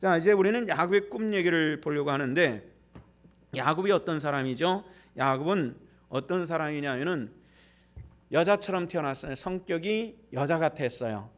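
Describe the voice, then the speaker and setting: A man's voice: a little high, animated, moderate pace. An older man, a retired senior pastor, preaching a sermon in a church, telling a story and asking the congregation questions that he then answers himself.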